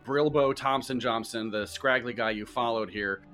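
A man's voice: mid-range voice, normal speed, a bit bright, soft background music. A man narrating a sci-fi tabletop game as game master, setting scenes vividly in the second person. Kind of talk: tabletop role-play narration.

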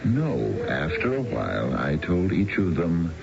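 Very deep, gravelly, smooth wealthy broker. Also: male voice, wildly swooping pitch, crowd noise, heavily acted. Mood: smooth, matter-of-fact. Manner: hesitant, halting, genteel. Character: wealthy unfaithful middle-aged male broker, smooth and self-assured. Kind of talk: radio drama acting. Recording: muffled, noisy old radio broadcast.

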